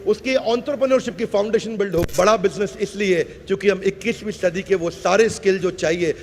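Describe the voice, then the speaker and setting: A man giving a loud promotional stage speech, rallying the audience with rhythmic slogans. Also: sits high, fairly quick, over music. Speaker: speaker pitching an education program. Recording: loud crowd and noise behind. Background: loud crowd and noise.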